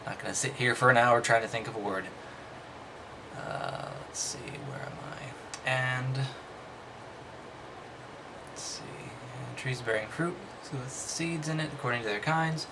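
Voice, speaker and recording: A man's voice: mid-range voice, measured pace, long pauses, heavy background noise. A man reading a text aloud and commenting casually, with dry, skeptical, dismissive asides. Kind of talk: casual commentary between read-aloud passages.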